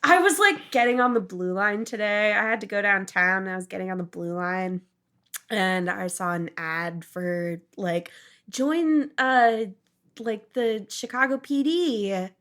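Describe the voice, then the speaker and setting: An American woman with a bright, forceful voice chats as a podcast host. She takes her time over her words and is blunt, sardonic and quick to swear. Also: mid-range voice. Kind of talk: casual podcast chat.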